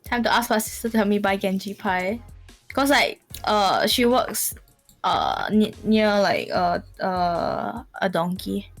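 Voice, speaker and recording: A woman's voice: mid-range voice, very animated, unhurried, creaky, faint music behind. A woman chatting casually on a livestream, often restarting her sentences and giggling. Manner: stammering restarts, frequent giggles. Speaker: streamer co-host.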